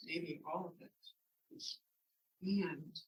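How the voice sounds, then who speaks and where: Soft-spoken, a woman talks at a fairly low pitch. Her intonation stays fairly even. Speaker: meditation teacher. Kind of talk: ceremony speech. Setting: in-person gathering streamed on Zoom.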